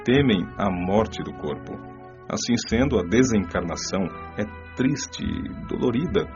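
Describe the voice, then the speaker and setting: A man playing a patient, wise male spirit mentor who explains things in a calm, preaching tone. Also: lowish voice, measured pace, dull audio, over music. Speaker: teacher figure. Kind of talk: radio drama acting.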